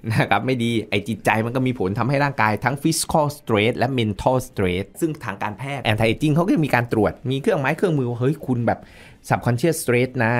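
A man who is a nutrition expert, explaining as an interview guest in a casual, lecturing way, dropping in English technical terms. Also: mid-range voice.

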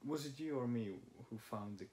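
Sitting on his living room sofa facing the camera, a young Finnish man, Finnish by native language, chats casually in a language-study vlog he hosts. He speaks warmly at a medium pitch and moderate pace, thinking out loud and using fillers.

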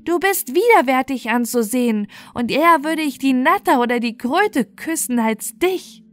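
A woman voicing a proud young boy in a fairy tale, with sharp, emphatic delivery. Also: sits high, animated, moderate pace, pitched above the performer's own voice. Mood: scornful, angry. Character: proud, cruel, scornful young boy, later remorseful.

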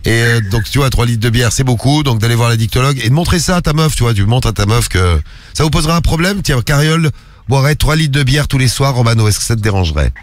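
A man hosting a radio phone-in with lively casual banter and blunt, informal slang, close on a studio microphone. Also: medium pitch, fast, background noise. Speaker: radio show host.

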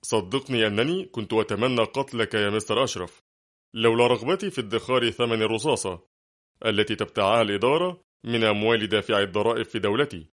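A man's voice: lowish voice, fast, fairly bright tone, close to an everyday voice. A man voicing a harsh, menacing spy. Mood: sneering. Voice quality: harsh, gruff. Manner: stern and menacing. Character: ruthless male foreign spy, harsh and sarcastic. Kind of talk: audiobook character reading.

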